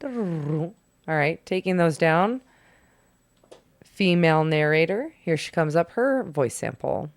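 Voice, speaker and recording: Female podcast host, low smooth voice, dry close sound, brisk lead. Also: expressive, no room sound. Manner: brisk, leads the segment, laughs often. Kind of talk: casual chat.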